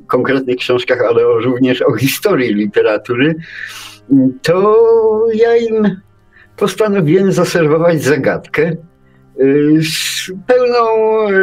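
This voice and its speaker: A man co-hosting a casual radio show, musing in halting phrases with many false starts. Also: on the high side, darkish tone. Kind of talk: casual live radio chat.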